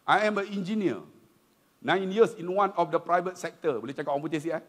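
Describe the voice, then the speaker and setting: A man's voice: fairly high pitch, brisk. A middle-aged man with a Malaysian Malay accent giving a humorous religious lecture, telling stories and often addressing his audience directly. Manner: animated storytelling, addresses audience as tuan-tuan. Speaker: preacher.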